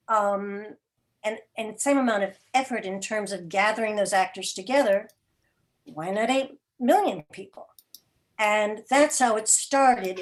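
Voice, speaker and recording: A mature woman speaking reflectively as an interview guest on a video call, articulate, with thoughtful pauses mid-sentence. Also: mid-range voice. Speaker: interview guest, theater podcast producer. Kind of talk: reflective conversational talk. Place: indoor room, video call.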